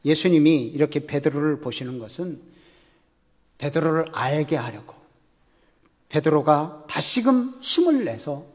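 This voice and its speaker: A man's voice: fairly high pitch, animated, measured pace, pauses often, a little mellow, slightly rough. Male pastor preaching in a ringing hall. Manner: conversational preaching with rhetorical questions. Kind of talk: sermon.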